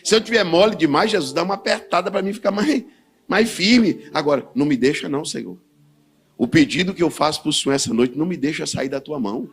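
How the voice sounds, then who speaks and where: A man with a Brazilian Portuguese accent preaching a sermon, swinging between low, quiet stretches and loud, fiery bursts. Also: expressive, brisk. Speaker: pastor.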